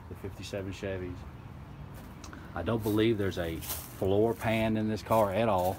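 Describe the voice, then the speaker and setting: A man casually narrating a walkaround video outdoors beside a house, rambling and restarting as he goes. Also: lowish voice. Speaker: car video host. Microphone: handheld camera, speaker off screen. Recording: outdoor video with clear background noise.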